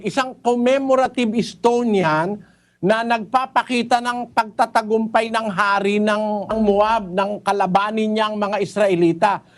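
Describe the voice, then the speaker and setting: Emphatic high-voiced preacher. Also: male voice. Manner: emphatic, repeating points, switching into English. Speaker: preacher answering a caller. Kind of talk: corrective Bible lecture.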